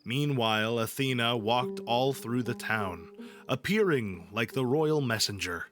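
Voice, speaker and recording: A playful, irreverent man hosts a livestream, drifting between casual chat and reading aloud in a jokey, profane way. His voice sits at medium pitch with a measured pace, and ambient music plays beneath him.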